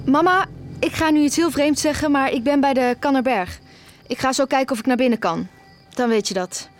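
A woman's voice: high-pitched, a little fast, natural voice. Young woman, anxious yet headstrong student played by an actress, confiding audio drama narrator, underscored by music. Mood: urgent. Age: young adult. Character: anxious, stubborn young female music student, nearly blind.

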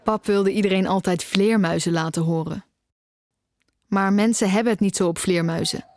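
A woman's voice: medium pitch, steady tone, moderate pace, a little mellow, close to an everyday voice. An actress playing an anxious, stubborn young woman, a student, narrating and talking in an audio drama in an intimate way. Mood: brooding, uneasy. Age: young adult. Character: anxious, stubborn young female music student, nearly blind.

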